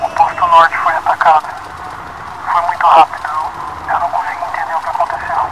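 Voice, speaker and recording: A man playing a shaken soldier who reports an attack over a military radio, speaking loudly and urgently. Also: fairly high pitch, monotone, brisk. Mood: panicked. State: frantic and shaken. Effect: military radio transmission. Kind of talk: audio drama acting. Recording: distant noisy radio channel.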